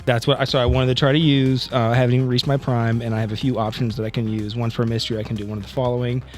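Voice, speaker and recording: A man's voice: mid-range voice, flat delivery, racing, soft background music. A man playing a tabletop role-playing game, chatting casually and hesitantly as he thinks his moves through, swearing now and then.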